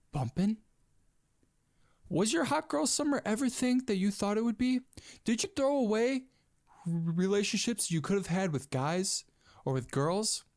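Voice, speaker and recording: A man in his twenties hosting a casual solo podcast, rambling and calling everyone "dude". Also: high voice. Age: 20s. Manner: rambling, animated, says "dude" a lot. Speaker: podcast host.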